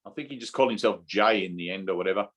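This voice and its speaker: A man's voice: on the low side, racing, a bit bright. A man leading an informal spiritual teaching session over a video call, often checking in with his listeners with "okay?" and "right?".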